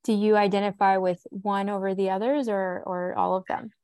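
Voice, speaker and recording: A woman's voice: medium pitch, steady tone, moderate pace, a little mellow, clean tone. A woman hosting a podcast, speaking in a casual interview style. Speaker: podcast host.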